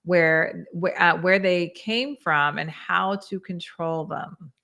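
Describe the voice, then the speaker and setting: A woman's voice: lowish voice, fairly even intonation, takes it slowly, vocal fry, sharp tone. A woman therapist co-hosting a mental health talk show, earnestly explaining how she helps clients with everyday examples. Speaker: co-host, therapist.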